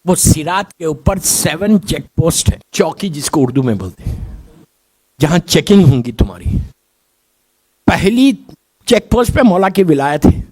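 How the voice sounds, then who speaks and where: A man preaching a majlis sermon as a story, swinging from soft low asides to high impassioned cries and mixing English words into his speech. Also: very animated, long pauses. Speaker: Shia preacher.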